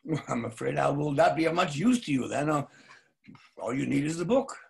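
An older man playing a wary, reflective novelist in a staged reading, speaking deliberately with some hesitation. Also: a little high, creaky. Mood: guarded. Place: home study, video call.

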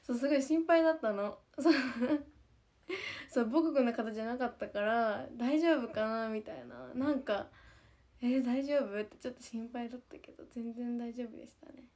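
Young female idol, casual chatty talk, higher mellow voice, giggly and repetitive. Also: moderate pace. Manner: chatty, giggly, repeats herself a lot. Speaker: idol group member. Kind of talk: casual chat to viewers.

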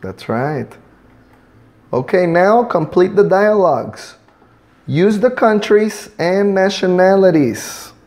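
A male English teacher leads a class off camera. He speaks slowly and patiently, with a slightly high voice, drilling his student with prompts and switching between two languages. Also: animated, darkish tone.

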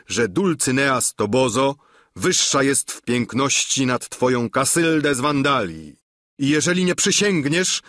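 A man's voice: mid-range voice, a bit bright, no echo, studio quality. A man voicing a deluded older knight who declaims in a commanding, solemn way in an audiobook.

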